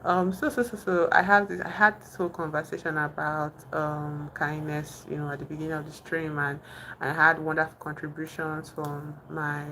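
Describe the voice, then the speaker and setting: Young Nigerian woman, Nigerian accent, low voice, gravelly fry, live-stream chat, many fillers and restarts. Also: little pitch movement, moderate pace, a bit bright, a little hiss or hum, poor audio. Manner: chatty, thinks aloud with many fillers and restarts, reads viewers' comments. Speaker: livestream host.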